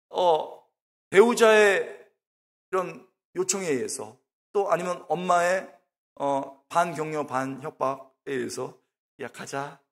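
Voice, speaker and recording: A middle-aged man preaching a revival sermon, telling his story with swings from loud, pleading calls to hushed, slow words. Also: on the high side. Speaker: guest preacher at a revival service. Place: church sanctuary. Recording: long reverb of a church hall.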